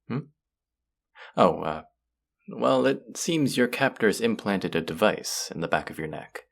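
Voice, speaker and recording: Guy doing a snooty cruel alien buyer for sci-fi roleplay, slow gravelly murmur, condescending and curious. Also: deep voice, full character voice. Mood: curious, appraising. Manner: condescending, murmuring, deliberate, mocking. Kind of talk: scripted audio roleplay, addressing the listener.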